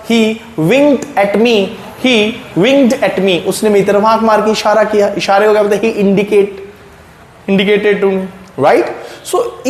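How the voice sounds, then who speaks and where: Male tutor, high register, patient drill-style delivery, roomy recording. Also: slight background noise. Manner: slow, drawn-out word examples with frequent checks like "right?". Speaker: English teacher. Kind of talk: explaining pronunciation rules in a video lesson. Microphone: writing on a board while talking. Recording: echoey room.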